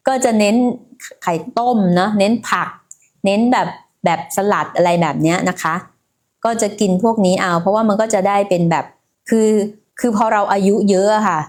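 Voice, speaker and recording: With a mid-range voice that runs a bit fast, a woman hosts an easygoing health livestream. Her manner is chatty, thick with fillers, and pointed directly at her viewers.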